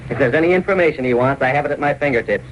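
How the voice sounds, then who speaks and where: An actor playing a wisecracking newspaper reporter. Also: male voice, mid-range voice, racing, lightly acted. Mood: joking. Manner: wisecracking and playful. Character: jokey, cocky male newspaper reporter. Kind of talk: 1930s radio drama acting. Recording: muffled, hissy 1930s radio broadcast.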